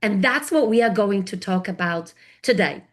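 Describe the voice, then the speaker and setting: A woman with a Polish accent, middle-aged and at a medium pitch, leads a live online session on project work. She speaks to her audience in an engaging way, answering the people typing in the chat as she goes. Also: animated, normal speed. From Poland. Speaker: webinar host and project consultant. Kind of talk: live webinar presentation.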